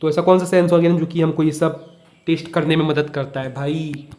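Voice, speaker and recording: A man's voice: on the high side, fairly even intonation, a little fast, darkish tone. A young man tutoring children in a casual, chatty way, asking questions and answering them himself, repeating each point. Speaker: online olympiad teacher. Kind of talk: casual Hindi tutoring lesson.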